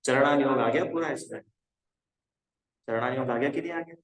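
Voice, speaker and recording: A man's voice: medium pitch, normal speed, echoey room, low-quality recording. A man teaching a casual religion class to young people, talking conversationally, urging them on and often checking whether they follow. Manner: conversational and exhorting, asks the class checking questions. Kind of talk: casual spoken lesson to a youth class.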